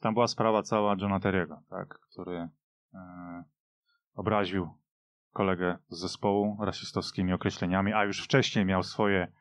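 A man's voice: sits low, flat delivery, moderate pace, no room sound. A man giving opinionated, conversational football punditry in a radio discussion. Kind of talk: casual opinionated sports discussion. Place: radio studio. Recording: dull, muffled studio audio.

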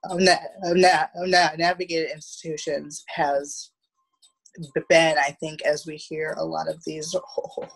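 Husky, stammering American woman, gravelly voice. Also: sits low, poor audio. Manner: stammering, repeating syllables and words. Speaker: theatre producer and panel guest. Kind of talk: roundtable discussion. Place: small room at home, on a video call. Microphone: video call, wearing headphones.

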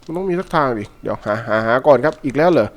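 A man giving commentary while playing a horror game, jumpy and quick to yelp when startled. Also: fairly high pitch, lively intonation, muffled recording. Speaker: gameplay streamer.

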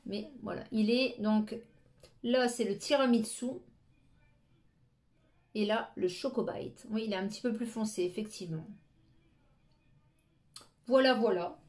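A woman's voice: medium pitch, unhurried, pauses often, darkish tone, reverberant. A middle-aged woman, chatting casually through a product haul, hesitating often as she lists prices. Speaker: beauty vlogger.

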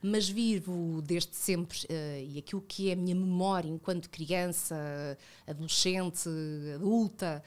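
A woman in her thirties with a European Portuguese accent, talking reflectively as a podcast guest, with many fillers and self-corrections, close on a studio boom mic. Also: unhurried, a little mellow. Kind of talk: casual conversational interview. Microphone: studio boom mic with headphones.

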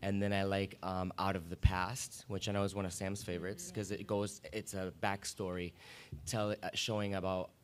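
A young man with a very low voice talks into a table mic on a panel. He tells behind-the-scenes stories like an excited fan, laughing as he goes. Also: normal speed, clean tone. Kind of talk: casual panel chat. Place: indoor meeting room at a panel table. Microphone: table mic on stand.

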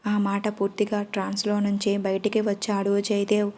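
A woman narrating a romance audio story in a steady, even reading. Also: mid-range voice, moderate pace.

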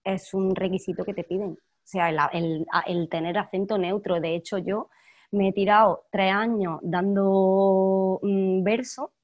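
A woman in her twenties with an Andalusian accent, chatting lively as an actress in an interview, laughing often. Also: mid-range voice, unhurried, lo-fi sound. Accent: Andalusian Spanish. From Andalusia, Spain. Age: 20s. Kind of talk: casual interview chat.

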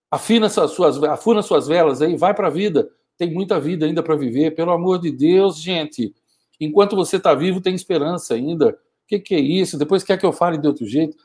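A man in his fifties lectures his viewers with fierce, scolding energy in a somewhat high voice. He speaks into a wired earphone mic in a small home studio. He talks like a motivational speaker rousing a live audience. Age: 50s. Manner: forceful, scolding, gestures a lot. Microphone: wired earphone mic, webcam framing.

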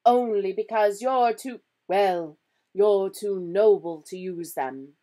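A woman's voice: medium pitch, slow, warm tone, pitched above the performer's own voice, natural voice. A woman voicing a severe, irritable witch professor in a storybook, with a clipped, exasperated, emphatic delivery. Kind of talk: storybook character reading.

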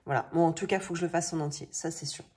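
French woman chatting casually, low mellow slightly rough morning voice, thinking out loud. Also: steady tone, rapid-fire. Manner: colloquial, thinking aloud. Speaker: budgeting video host. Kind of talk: casual chatty vlog narration. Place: indoors at a table. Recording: noisy home recording with clicks.

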